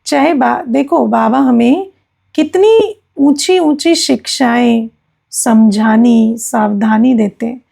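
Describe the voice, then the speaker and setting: A woman spiritual teacher giving a gentle explanatory discourse, often checking in with her listeners. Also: fairly high pitch, slow, gravelly.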